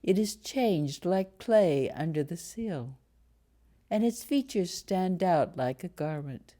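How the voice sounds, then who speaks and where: A lay reader, a woman, reads scripture solemnly and very slowly, moving phrase by measured phrase. Her low, soft-edged voice still carries lively intonation.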